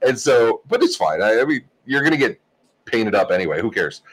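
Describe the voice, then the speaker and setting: A man in the middle of his usual range tells a story with loose, energetic delivery. He laughs often, swears casually and keeps the chat relaxed. He speaks as a podcast co-host. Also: medium pitch, brisk, breathy edge.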